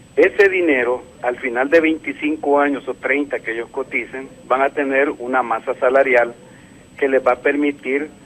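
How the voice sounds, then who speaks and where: An unremarkable speaking voice moves at a moderate pace. The intonation is fairly even. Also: man. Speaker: caller. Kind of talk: call-in comment. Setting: phone call.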